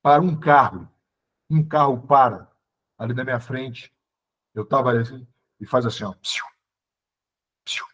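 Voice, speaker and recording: A man's voice: mid-range voice, moderate pace, long pauses, a bit bright. A man preaching a testimony, telling his story dramatically and calling the listeners brothers. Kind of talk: sermon testimony.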